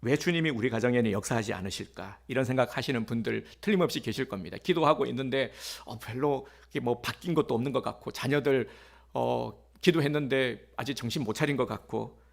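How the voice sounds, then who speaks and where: Man, pastor, sermon, gravelly voice, conversational, mid pitch. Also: brisk. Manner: conversational preaching with fillers and acted quotes.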